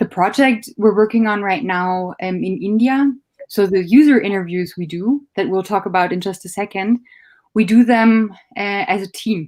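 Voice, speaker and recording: With a German accent, a woman speaks at a medium pitch. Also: ordinary pitch variation, moderate pace. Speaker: journalist and media format developer. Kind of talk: interview on a live video show.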